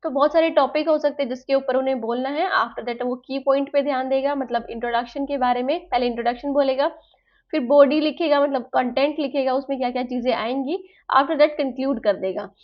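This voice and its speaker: A woman's voice: high voice, steady tone, a little fast. A woman teaching a lesson to teacher-training students, explaining step by step in Hindi mixed with English terms. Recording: slightly dull, lo-fi sound.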